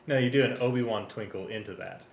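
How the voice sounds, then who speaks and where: A man talking casually and hesitantly, thinking aloud as he works and sometimes reading from a script. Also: mid-range voice. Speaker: music arranger preparing a live table read. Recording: echoey room with faint noise.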